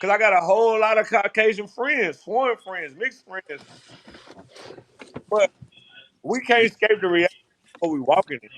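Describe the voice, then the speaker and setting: A man speaks at a high pitch and a moderate pace, leaving long, frequent pauses. The sound is dry and close with no echo. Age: 40s. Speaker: panel guest, military veteran. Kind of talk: casual discussion.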